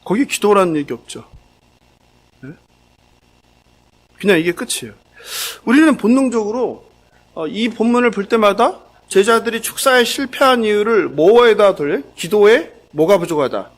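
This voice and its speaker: A man with a high voice preaching to a church congregation. His pitch swings widely as he keeps questioning his listeners. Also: lively intonation, moderate pace. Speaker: pastor. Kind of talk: sermon. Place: church sanctuary.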